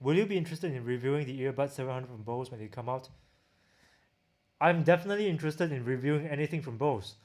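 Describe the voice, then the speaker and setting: Viewer questions get read aloud and answered by a casual, chatty livestream host who speaks with a Singaporean accent. He reviews audio gear, and his mid-range voice is fast and a little mellow.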